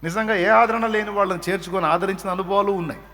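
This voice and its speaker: A man's voice: high-pitched, fairly even intonation, fast talker, fairly bright tone, long reverb tail. A man preaching a sermon as a pastor, emphatic and repetitive, often acting out a comforting parent's words. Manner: emphatic, repeats phrases, voices comforting parent. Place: church.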